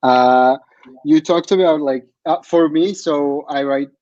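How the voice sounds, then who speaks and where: Halting man with a dull, dry sound. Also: on the high side, darkish tone, dry recording. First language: Hebrew. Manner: halting, many "uh" pauses. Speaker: meetup co-host. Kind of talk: asking questions on a video call. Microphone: video call webcam. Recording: dull lo-fi call audio.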